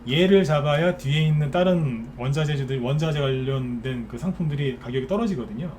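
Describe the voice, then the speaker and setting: A man's voice: on the high side, brisk, darkish tone, slight background noise. A man giving a live stock market lecture, ranting bluntly and firing rhetorical questions at his viewers.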